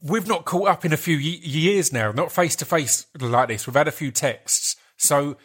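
A man's voice: on the high side, moderate pace, fairly bright tone, slightly rough. A man with an Essex accent hosting a casual, conversational podcast interview. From Essex, England. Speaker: podcast host.

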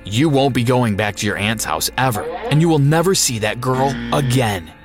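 A man voicing a stern, angry Amish father with a rough, harsh voice in a narrated story. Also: mid-range voice, big pitch swings, measured pace, over music. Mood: furious, strict. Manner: scolding, forceful. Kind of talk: acted dialogue in a narrated story.

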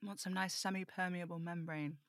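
A woman's voice: fairly low pitch, steady tone, fairly quick, fairly bright tone, a little hiss or hum. A woman in informal, playful, rambling chat, joking as a cast member at a table read.

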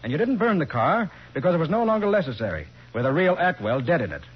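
A sharp, confident American detective in an old radio crime drama. He talks briskly and assertively with animated swings of pitch. The recording is dull and dated. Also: slightly rough. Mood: confident, accusing. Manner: assertive, explanatory, accusing.

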